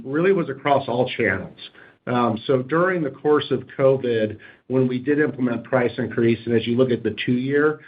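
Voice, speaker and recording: A man with a mid-pitched voice speaks as a company executive on an investor call. His delivery is measured and corporate, and the audio is dull and slightly lo-fi. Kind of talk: prepared remarks and corporate question answering.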